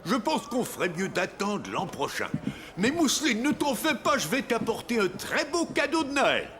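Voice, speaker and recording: An actor playing a jolly, kindly old Santa Claus in a children's cartoon, with a hearty, jovial manner. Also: male voice, very high-pitched, moderate pace, slight background noise, exaggerated voice. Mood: kindly, cheerful. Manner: jovial, hearty chuckling, expressive.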